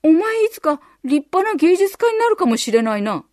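A woman's voice: very high-pitched, big pitch swings, moderate pace, a little mellow, no echo, clean studio sound, pitched above the performer's own voice. A woman voicing a boastful, sulky young boy in a children's story, in a raised childish voice. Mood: admiring.

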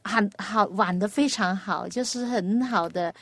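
A woman hosting a children's radio program, asking a young guest patient, coaxing questions and telling a gentle story. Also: mid-range voice, measured pace, dry recording.

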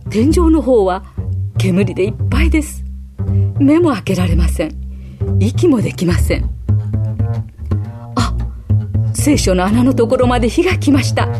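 Woman reading a bible story to kids, slow and lively in pitch, soft plucked bass music underneath. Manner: gentle, expressive reading with acted quotes. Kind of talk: scripted children's Bible story narration.

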